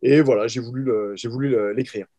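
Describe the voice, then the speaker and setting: A man, a historian guest, explaining at length in an interview with frequent pauses, fillers and restarts. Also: mid-range voice, fairly even intonation, warm tone, no echo. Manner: hesitant, many fillers and restarts. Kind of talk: interview answers.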